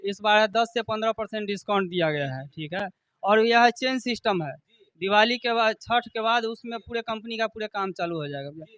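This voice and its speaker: Male shop owner, bright and high, dry sound, repetitive promotional pitch listing features. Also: lively intonation, normal speed, smooth, dry recording, dull audio. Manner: repetitive, listing selling points. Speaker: jewellery shop owner being interviewed. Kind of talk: promotional sales pitch in an interview.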